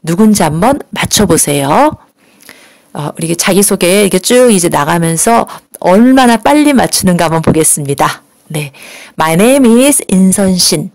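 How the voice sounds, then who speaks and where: A woman's voice: fairly low pitch, expressive, creaky, a little mellow, no echo, studio quality. Patient Korean woman teaching English. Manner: patient, polite explaining with slow, careful English model phrases for repetition. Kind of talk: recorded language lesson.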